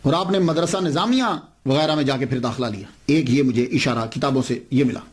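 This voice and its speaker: A man giving a religious lecture as a story, repeating key phrases and answering his own questions. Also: mid-range voice.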